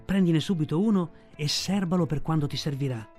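Storybook panther, man reading: tender, proud, mellow and slightly high. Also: brisk, faint music behind, natural voice. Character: black female panther, protective and proud.

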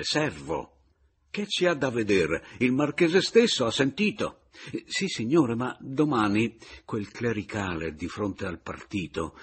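A man's voice: medium pitch, breathy edge, voice pushed up, full character voice. A man voicing a fawning, wheedling male secretary. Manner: pleading, fawning. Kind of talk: audiobook reading.

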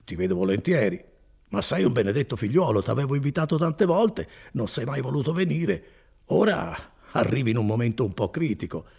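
A man voicing a chatty, good-hearted older male cousin, a foreman, in an animated folksy manner with chuckles. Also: medium pitch, brisk, gravelly, breathy edge, full character voice. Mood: warm.

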